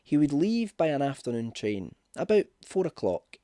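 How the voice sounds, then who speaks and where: A man reading a scripted ghost story as narrator, with measured, dramatic delivery. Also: a little high, big pitch swings, warm tone, dry recording, studio quality. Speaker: audiobook narrator.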